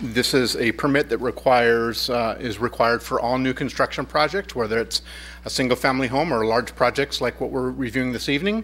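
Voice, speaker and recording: A man's fairly quick speech with vocal fry and fairly even intonation. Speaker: city planning staff. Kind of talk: project presentation at public meeting. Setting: council chambers meeting. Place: hall.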